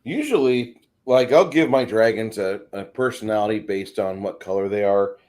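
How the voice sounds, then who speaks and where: A man's voice: fairly low pitch, darkish tone. A man speaking casually and at length as a panelist, opinionated and emphatic in the way he explains things. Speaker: panelist and game master. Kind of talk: casual discussion.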